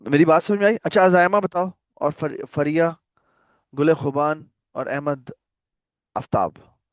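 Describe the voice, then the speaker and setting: A man with a fairly high voice teaches a programming class over a video call at a measured pace. His casual, conversational online lecture is full of questions checking whether students are following. The sound is dry and studio-clean.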